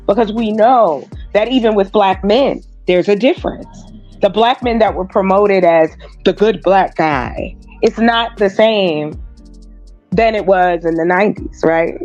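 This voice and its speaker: Woman panelist, earnest and measured, dull remote audio, soft music under. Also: mid-range voice. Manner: measured and earnest, making points step by step. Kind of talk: discussion on a live panel.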